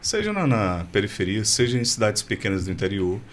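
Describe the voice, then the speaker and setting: Man, podcast host, casual affirming interviewer, lowish voice, studio, faint noise. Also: big pitch swings. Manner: affirming, quick to agree and laugh along.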